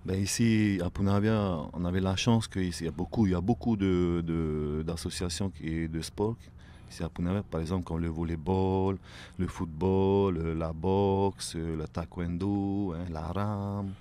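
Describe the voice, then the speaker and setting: A man, talking casually as a guest on a radio show, filling pauses with "ben", "hein" and "voilà". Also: low-pitched, fairly even intonation, mellow, a little hiss or hum. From Tahiti. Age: late 30s. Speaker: guest, outrigger canoe paddler. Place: radio studio.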